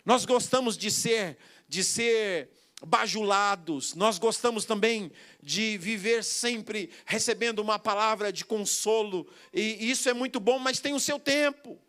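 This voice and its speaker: A Brazilian man with a notably high voice preaches a sermon. He tells his story lively, acting out the voices of others and laughing along the way. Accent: Brazilian Portuguese.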